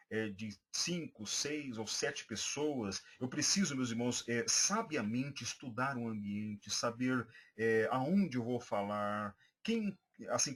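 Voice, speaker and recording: This is a recorded class for church members in which a pastor with a Brazilian Portuguese accent teaches preaching. His medium-pitched voice is a bit bright and husky, and he speaks hesitantly, with frequent fillers and restarts, calling his listeners brothers.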